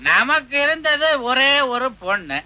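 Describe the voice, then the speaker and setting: A man's voice: extremely high pitch, sing-song, unhurried, sharp tone. A man as a tipsy husband and father, wisecracking back at his wife in film comedy dialogue. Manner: drunken wisecracking grumble.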